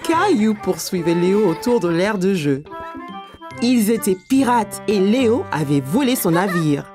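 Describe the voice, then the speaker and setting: A woman playing the gentle storyteller of a preschool cartoon, reading scripted narration. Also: medium pitch, sing-song, a little slow, soft background music. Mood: gentle storytelling.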